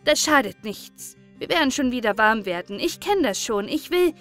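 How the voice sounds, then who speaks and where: A cheeky street boy, bossy and self-important, as a woman storyteller puts him on, with a raised, boyish pitch. He scolds and lectures like he knows it all. Light music hums faintly behind. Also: animated, moderate pace, fairly bright tone.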